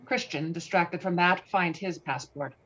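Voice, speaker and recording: Lower-pitched woman narrating a script. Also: unhurried, fairly bright tone, slightly rough. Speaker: narrator reading stage directions. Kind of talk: scripted narration at a virtual table read. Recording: dull, lo-fi video-call audio.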